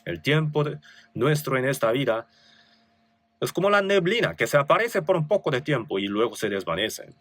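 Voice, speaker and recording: A man's voice: medium pitch, sing-song, normal speed, fairly bright tone, no room sound. A male pastor with a Korean accent preaching a sermon, reading scripture with rising emphasis and asking rhetorical questions.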